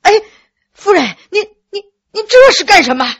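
A woman voicing a scheming male court physician who speaks in a lowered, sighing voice. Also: lively intonation, takes it slowly, a bit bright, slightly rough, no echo, clean studio sound, heavily acted. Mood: startled. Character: scheming foreign court physician, man, evasive.

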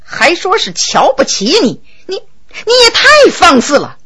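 A woman voicing a proud, quick-tempered high-ranking male minister with a commanding way of talking. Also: big pitch swings, pushed and bright, full character voice. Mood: angry. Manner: commanding, booming laughs.

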